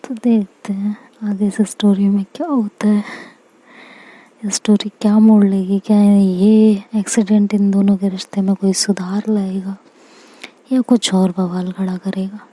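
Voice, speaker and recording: Soft-spoken woman telling a love story. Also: medium pitch, flat delivery, a little slow, poor audio. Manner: soft, intimate, occasionally whispered. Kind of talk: serialized love story narration.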